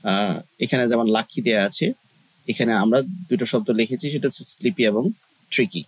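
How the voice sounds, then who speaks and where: A man's voice: medium pitch, moderate pace, husky, no room sound, rough recording. A man giving a casual English lesson, explaining step by step with frequent hesitations. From Bangladesh. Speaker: online English tutor.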